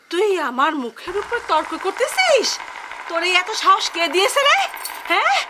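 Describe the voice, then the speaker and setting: An actress playing a sharp-tongued, middle-aged village housewife and mother who scolds in a dialect, quick to anger. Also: extremely high pitch, very animated, very noisy. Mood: furious. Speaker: mother and wife in a TV serial. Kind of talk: TV drama acting. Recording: background music under the dialogue. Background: music.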